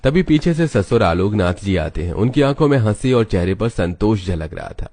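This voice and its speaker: A male narrator reads a scripted animated family story. His voice sits fairly low and he keeps a steady storytelling pace. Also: moderate pace, a little hiss or hum.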